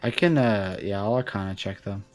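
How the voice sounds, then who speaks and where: A man's voice: lowish voice, a little fast. Casual male tabletop game player. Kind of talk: casual chat. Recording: music behind the voice. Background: music.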